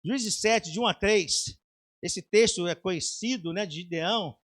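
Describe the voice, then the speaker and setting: Male pastor, Brazilian Portuguese accent, high voice, fervent emphatic sermon in a church. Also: measured pace, a bit bright. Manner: fervent, emphatic preaching with dramatic retelling.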